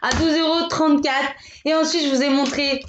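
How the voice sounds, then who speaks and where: A woman's voice: high-pitched, fairly even intonation, moderate pace, slight background noise. A woman selling jewelry on a live shopping stream, chatty and joking as she pushes viewers to buy. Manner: chatty, joking, pushy salesy banter. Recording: echoey room, dull lo-fi sound.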